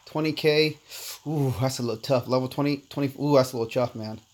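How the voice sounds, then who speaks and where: A man's voice: mid-range voice, fairly quick, a little mellow. A man born in Korea, first language Korean, casually chatting with viewers while streaming a mobile game. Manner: laid-back, chatty, calls viewers "man", reads chat aloud. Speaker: livestream host. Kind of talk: casual gameplay livestream chat.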